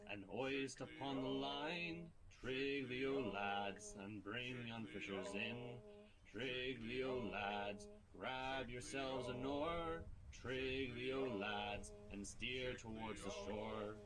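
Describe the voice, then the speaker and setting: Guy playing old fisherman singing a sea shanty real slow, loud crowd in the back. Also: mid-range voice. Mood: rousing, nostalgic.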